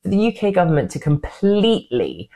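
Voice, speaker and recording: A woman's voice: fairly low pitch, huge pitch swings, fairly quick, mellow. A woman politician with a middle-class English accent making an impassioned, emphatic speech. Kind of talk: campaign speech.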